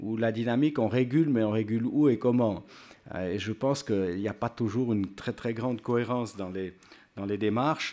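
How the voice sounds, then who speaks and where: This man talks at a moderate speed in a medium-pitched voice with a dark, mellow tone and ordinary pitch movement. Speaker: politician, president of the national parliament chamber. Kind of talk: press conference answers. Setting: press conference room with audience. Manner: hesitant, many fillers and repetitions.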